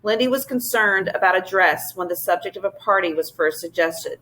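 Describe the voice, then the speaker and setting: A woman teacher reading a children's novel aloud to her class in a steady, expressive narration. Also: lowish voice, moderate pace, a little hiss or hum, poor audio.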